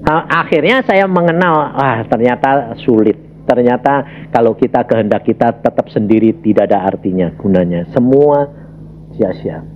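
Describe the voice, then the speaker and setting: A man preaching a sermon and telling a personal testimony. He addresses the congregation directly and tells his story in an animated way. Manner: animated storytelling, big pitch swings, addresses congregation as "saudara". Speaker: evangelist preacher. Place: church worship hall. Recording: slightly dull lo-fi audio, faint background hiss.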